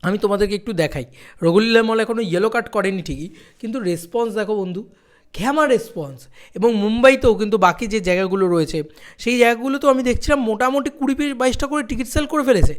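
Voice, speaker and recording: A young man talking in an excitable, emphatic way in a fan vlog, repeating phrases to build hype. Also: high-pitched, fast. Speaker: film fan YouTuber. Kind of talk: excited fan vlog about box office.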